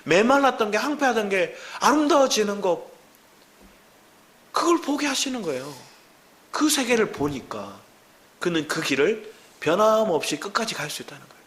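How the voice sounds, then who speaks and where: A male pastor giving a sermon in a church, preaching in an animated way and often asking the congregation rhetorical questions. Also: high-pitched, normal speed.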